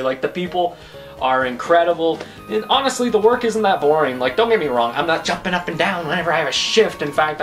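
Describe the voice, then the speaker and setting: With a fairly high pitch and a fairly bright tone, this YouTube host in his twenties answers questions about himself in a rambling, jokey vlog Q&A.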